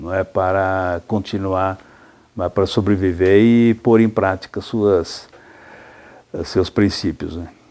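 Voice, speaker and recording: Against a silent background in a very clean recording, a man with a very deep, low voice speaks at a very slow pace with fairly even intonation and long, frequent pauses. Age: 70s. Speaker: retired teacher, former student activist. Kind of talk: oral history testimony interview. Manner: halting, many repetitions and fillers.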